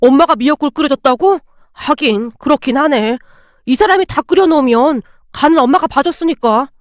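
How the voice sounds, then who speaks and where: A woman's voice: high voice, brisk, no room sound, studio quality, lightly acted. A woman voicing a sarcastic adult son who needles his mother with taunting remarks. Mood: sneering.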